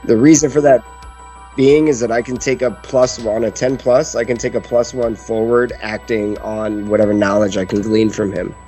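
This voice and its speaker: A man's voice: lowish voice, little pitch movement, moderate pace, mellow, soft background music. A man talking casually at a tabletop game as one of the players.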